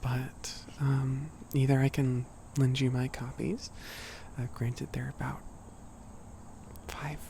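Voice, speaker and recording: A young man voicing a sweet, shy giant cat boy in a soft, near-whispered ASMR roleplay, chatting gently and hesitantly to a small friend. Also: mid-range voice, flat delivery, takes it slowly, gravelly, slight background noise. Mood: shy, helpful. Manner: gentle, hesitant, rambling, apologetic. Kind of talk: ASMR roleplay, casual chat to listener.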